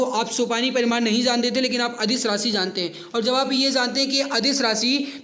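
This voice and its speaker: A man teaches an exam class in a high-pitched, sharp, bright voice. He works through quiz questions in an instructive way, speaking directly to his students and restating each question and answer. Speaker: exam-prep science teacher. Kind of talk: online lesson, working through quiz questions.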